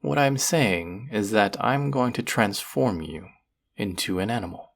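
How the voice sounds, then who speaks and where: A man's voice: on the low side, lively intonation, unhurried, vocal fry, full character voice. A man playing a cruel, powerful, vain sorcerer in a fantasy audio roleplay, speaking to the listener in a theatrical, menacing drawl. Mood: musing, menacing.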